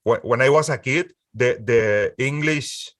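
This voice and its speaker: A Spanish man in his forties, a music producer speaking English as a second language in a casual interview, halting with frequent restarts and easy laughter. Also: mid-range voice, a bit bright, dry recording, clean studio sound, recorded from a distance. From Spain.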